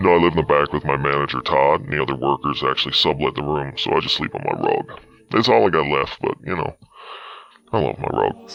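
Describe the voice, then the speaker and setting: A man puts on a character voice with a very deep, low pitch. He talks at a fairly quick pace over faint background music. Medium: audio drama. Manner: laid-back, friendly.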